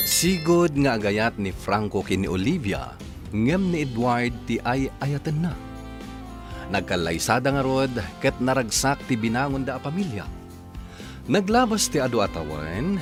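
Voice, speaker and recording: Measured man narrating over music. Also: medium pitch. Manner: measured announcer delivery. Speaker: radio drama narrator. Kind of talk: scripted radio narration.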